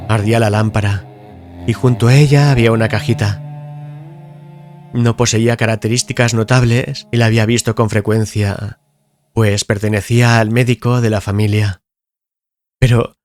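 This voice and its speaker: A man reads a gothic horror audiobook in a solemn, dramatic manner, phrasing deliberately with pauses. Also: lowish voice. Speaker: audiobook narrator. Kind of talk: dramatic scripted narration of a gothic horror tale. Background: music.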